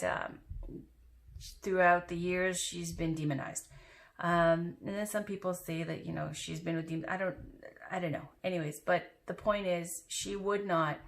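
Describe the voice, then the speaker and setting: A woman giving a casual, chatty tarot reading to her viewers, with loose asides and fillers. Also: on the low side. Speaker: tarot reader.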